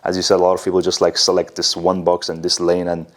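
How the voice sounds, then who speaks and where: A man from Iran hosts a podcast in a very low voice. He talks quickly, in loose, relaxed phrasing full of fillers. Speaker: podcast host. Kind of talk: casual conversational interview.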